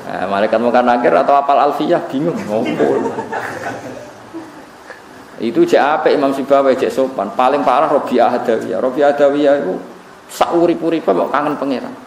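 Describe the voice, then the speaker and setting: A man's voice: medium pitch, moderate pace, creaky. A man from Central Java with a Javanese accent, teaching Quran commentary as a cleric, telling stories animatedly with chuckling asides. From Central Java, Indonesia. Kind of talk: religious study lecture. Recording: roomy, distant recording with faint hum.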